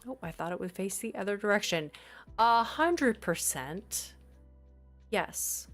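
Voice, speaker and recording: A woman's voice: medium pitch, lively intonation, slow pace, fairly bright tone, faint music behind. A woman chatting casually on a live stream, giggly and talkative as she greets and answers her chat.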